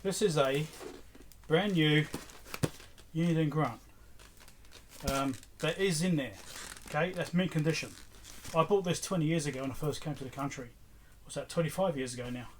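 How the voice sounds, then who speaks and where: A man's voice: on the high side, normal speed. A middle-aged man hosting a casual, unscripted show-and-tell in a chatty, rambling way. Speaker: electronics repair video host. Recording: clear background noise with clicks.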